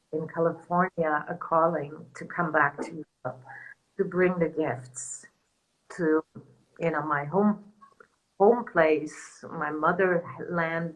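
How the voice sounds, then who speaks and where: A woman from Germany who teaches on spiritual themes, talking in a slow, earnest, soft way and laughing lightly now and then. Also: low-pitched, poor audio. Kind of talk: reflective talk in a panel conversation.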